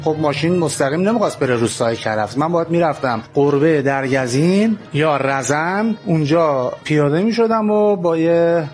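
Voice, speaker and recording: A man's voice: fairly high pitch, hardly any pauses, faint music behind. A man from Iran casually telling a personal story from his workplace, acting out the people in it. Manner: lively storyteller, acts out voices. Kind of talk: casual spoken anecdote.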